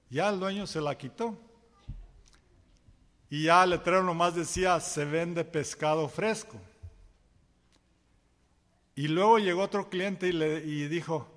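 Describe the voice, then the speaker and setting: High-voiced preacher in a reverberant church. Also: male voice, a bit bright. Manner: folksy storytelling, acts out dialogue, chuckles. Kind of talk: sermon with a parable.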